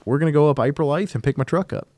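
A man's voice: fairly high pitch, rapid-fire, a little mellow, no echo. A man chatting casually as a podcast co-host, with a blunt, folksy, profane way of talking. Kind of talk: casual chat.

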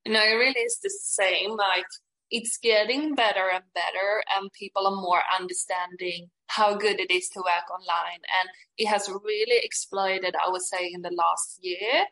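A woman's voice: mid-range voice, moderate pace, bright, forceful tone, low-quality recording. Young Swedish woman, enthusiastic podcast guest. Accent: Swedish with some British. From Sweden. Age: 20s. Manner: enthusiastic, emphatic. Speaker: podcast guest, network marketer. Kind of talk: casual interview chat.

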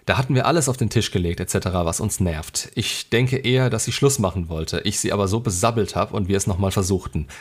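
A man's voice: lowish voice, quick pace, few pauses, husky. A man hosting a show, reading a viewer's relationship story aloud and commenting on it bluntly and sarcastically.

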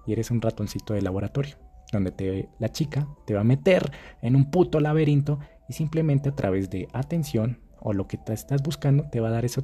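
A man's voice: mid-range voice, mellow. A man giving dating advice in a dramatic, profane monologue, acting out little scenes. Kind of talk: casual monologue to camera.

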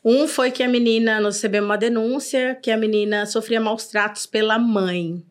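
A woman's voice: on the high side, moderate pace. A middle-aged Brazilian woman, a social services official, telling earnest stories from her work in a casual podcast chat. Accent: Brazilian Portuguese. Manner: earnest, animated storyteller.

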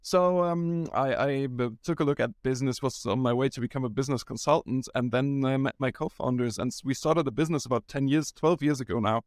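A German-born founder talks through his story in a relaxed interview, circling back and restarting phrases with plenty of ums. His voice sits at an ordinary middle pitch. The recording is close and dry, with no room sound. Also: fairly quick, few pauses, no room sound. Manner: rambling, frequent restarts and ums. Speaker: startup founder guest. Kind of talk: casual business interview.

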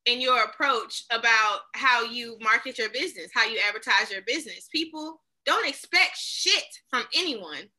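Woman, African American accent, high and very bright voice, emphatic slangy casual talk with free swearing. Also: expressive, moderate pace, few pauses, rough recording. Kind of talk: casual opinionated chat.

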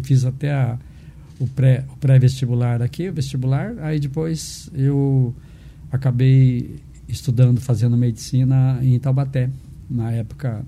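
An older man with a Brazilian accent, a physician being interviewed, talking casually and haltingly, often adding tag questions. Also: medium pitch, vocal fry, mellow, a little hiss or hum. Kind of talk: casual conversational storytelling.

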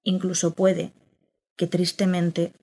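Woman doing a journalist narrating in first person, low voice, reflective and a bit bitter, radio drama. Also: monotone, takes it slowly, a little mellow.

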